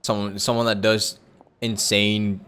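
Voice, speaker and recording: A man's voice: lowish voice, level tone, unhurried, a bit bright, clear, resonant tone. A man giving casual, offhand commentary while livestreaming a video game.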